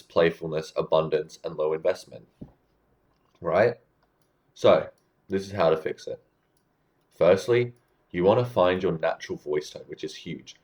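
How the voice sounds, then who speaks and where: A communication coach with a very low voice speaks directly to camera, offering laid-back advice on communication. His manner is relaxed and explanatory, laying things out plainly and checking in with the listener with "right?".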